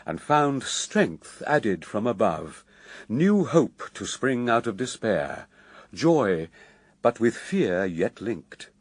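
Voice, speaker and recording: A man narrating a radio verse drama in a measured, solemn, literary delivery. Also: fairly low pitch, no echo.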